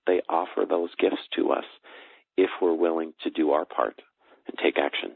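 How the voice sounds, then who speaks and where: A man with an extremely low voice speaks as a spiritual coach, earnest and explanatory. He goes in short, measured phrases. The audio is dry and heavily band-limited, like a phone. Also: steady tone, gravelly, breathy edge, no echo. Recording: muffled phone-like call audio.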